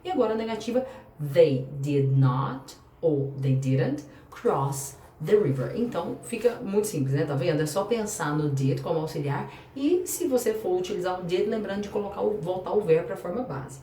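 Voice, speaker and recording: Woman, Brazilian Portuguese accent, English teacher, chatty explaining, mellow low-ish voice, echoey room, a bit off-mic. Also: lively intonation, normal speed. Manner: chatty, spells out letters, asks rhetorical questions. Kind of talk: explaining grammar to an online class. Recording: echoey room, voice a bit far from the mic, faint background hum.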